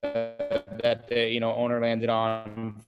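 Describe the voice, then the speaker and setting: A man presenting plans to a committee over a conference call that keeps breaking up, calling in from a job site and talking in a halting way with many fillers. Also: mid-range voice, huge pitch swings, creaky, highs cut off, over loud music. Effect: remote conference-call audio that breaks up. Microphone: calling in over an internet connection.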